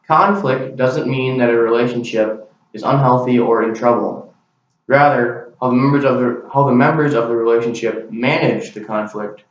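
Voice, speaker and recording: A young man giving a class speech to a camera, with an earnest, plain delivery. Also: medium pitch. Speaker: student. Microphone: camera mic. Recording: very echoey, distant, dull camera recording.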